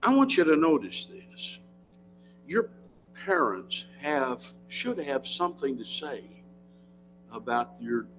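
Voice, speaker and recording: A man's voice: on the high side, big pitch swings, takes it slowly, long pauses, over music. An American man in his seventies preaching a sermon to a congregation in a folksy, plain-spoken, emphatic way, often putting questions to his listeners. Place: church, in front of a congregation.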